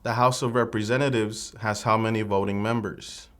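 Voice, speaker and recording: A man playing an immigration officer in a scripted mock interview, asking formal, measured questions. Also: lowish voice, fairly even intonation, a bit bright.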